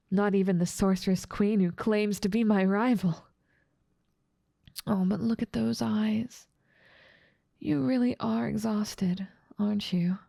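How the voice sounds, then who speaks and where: A woman's voice: medium pitch, creaky, mellow, no echo, clean studio sound. A woman voicing an evil, controlling witch in an ASMR roleplay drama, speaking in a silky, doting, gloating way. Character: evil, controlling, possessive adult female witch.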